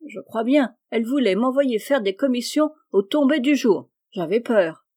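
A woman's voice: on the high side, lively intonation, normal speed, warm tone. A woman reading aloud, voicing a sulky young boy who complains and whines. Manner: whining, complaining. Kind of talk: audiobook reading.

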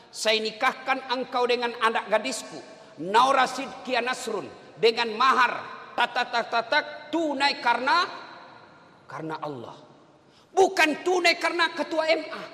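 Male preacher, very high and bright, jokey rhetorical sermon style. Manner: jokey, asks the audience rhetorical questions. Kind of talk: humorous sermon. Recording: long reverb of a large hall.

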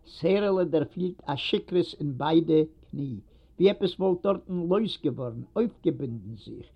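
A man narrating a story in a measured, unhurried reading. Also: a little high, animated. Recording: dull lo-fi recording.

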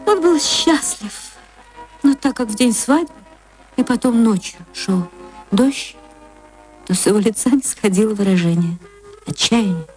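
A woman narrating a classic story in a gentle, measured literary reading. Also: a little high, expressive, soft background music, low-quality recording.

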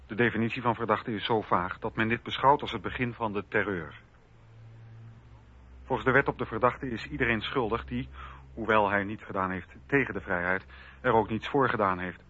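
A man narrating a historical radio drama from a script in a measured, factual way. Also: medium pitch, bright, forceful tone. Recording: slightly dull radio recording.

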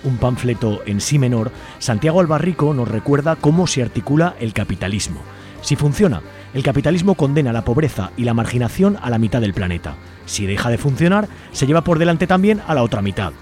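A man's voice: medium pitch, darkish tone. A man with an accent from Spain reading a scripted editorial as a radio presenter. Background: music under the voice.

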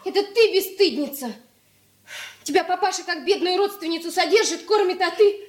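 An actress playing a sharp-tongued young teenage girl who scolds her cousin in a radio drama. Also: very high voice, moderate pace. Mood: snippy. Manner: snippy, reproachful. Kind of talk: 1980s radio drama acting. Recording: roomy room.

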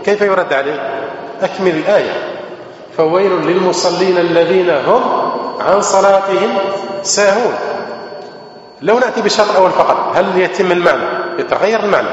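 A man teaching a religious lesson, repeating his points and answering his own rhetorical questions. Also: on the high side. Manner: repetitive, asks rhetorical questions and answers them. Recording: echoey hall, muffled lo-fi sound.

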